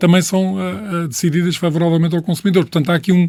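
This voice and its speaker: A man is speaking. His pitch is high. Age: 60s. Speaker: insurance regulator head. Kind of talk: radio interview. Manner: halting, many fillers.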